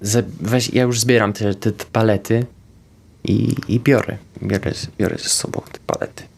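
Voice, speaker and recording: A man playing a tabletop game, describing his character's actions in the first person, haltingly. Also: on the low side, fairly even intonation, creaky, a little mellow. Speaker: player.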